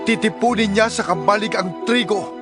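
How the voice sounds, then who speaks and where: A man performs a fiery preacher of the wilderness in a dramatized scripture recording. His voice is pitched well up and he exhorts sternly, like someone calling for repentance. Music plays clearly behind him. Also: normal speed, close to an everyday voice. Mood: solemn, exhorting. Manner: declamatory, exhorting.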